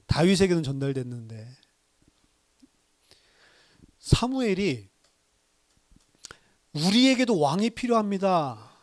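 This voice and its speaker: High-voiced man preaching a sermon. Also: no echo, studio quality. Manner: animated, asks the congregation rhetorical questions; conversational, plain-spoken preaching. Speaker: pastor.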